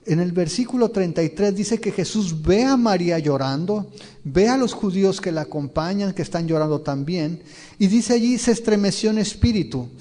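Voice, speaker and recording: A man's voice: high voice, lively intonation, moderate pace, mellow. A man, a pastor teaching a verse-by-verse Bible sermon. He often asks his listeners questions and retells the scenes vividly. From Mexico. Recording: long reverb of a large hall.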